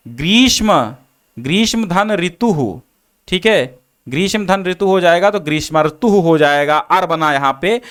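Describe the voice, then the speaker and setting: A young man teaches Hindi grammar in a slow, measured way, going over each rule more than once. His voice sits high and sounds smooth and clear. He keeps asking the class what comes next before giving the answer. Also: fairly bright tone. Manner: explains slowly, repeats rules and asks rhetorical questions.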